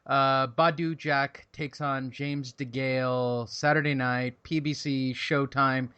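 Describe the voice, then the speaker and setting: Male host, bright tone, dry close mic, questioning and doubtful. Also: medium pitch, level tone, slow pace, smooth, dry recording, lo-fi sound. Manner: skeptical, pushes back with questions. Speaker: show host. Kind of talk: casual sports chat.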